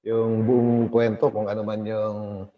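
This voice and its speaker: A man's voice: fairly low pitch, little pitch movement, takes it slowly, dull audio, crowd noise. A man hosting a casual gossip vlog, reading posts aloud and laughing often.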